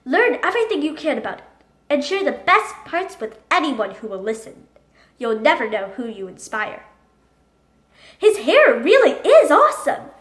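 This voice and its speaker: High-pitched woman reading expressively in echoey room. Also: moderate pace. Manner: expressive, emphatic storytelling. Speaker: children's book reader. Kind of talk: animated picture book read-aloud in character.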